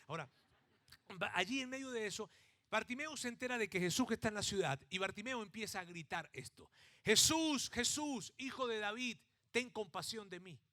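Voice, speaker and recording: Preaching in a high-pitched voice, a middle-aged pastor from Mexico, speaking with a Mexican accent, tells his sermon's story with animation, moving from shouted, acted-out moments to quiet, hushed emphasis.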